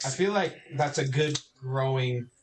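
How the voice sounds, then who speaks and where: A loud young man on a casual podcast, teasing his friends and saying "dude" a lot. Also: medium pitch, a little slow, crowd noise. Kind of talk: casual chat.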